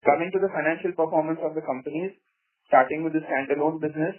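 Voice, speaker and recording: A man with an Indian accent formally delivers prepared company earnings remarks in a measured way. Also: fairly high pitch, steady tone. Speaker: company executive. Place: telephone conference call. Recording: tinny narrowband phone line.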